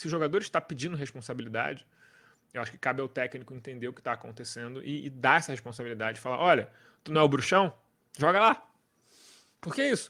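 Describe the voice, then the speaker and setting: At a very fast pace, a man talks with a bright, sharp tone. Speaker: football fan channel host. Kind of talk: post-match football analysis monologue. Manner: animated, informal with hesitations.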